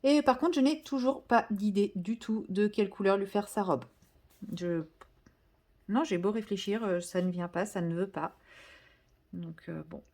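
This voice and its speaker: A woman's voice: medium pitch, measured pace, darkish tone. A woman chatting casually to viewers while she colours, rambling and correcting herself as she goes. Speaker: vlogger.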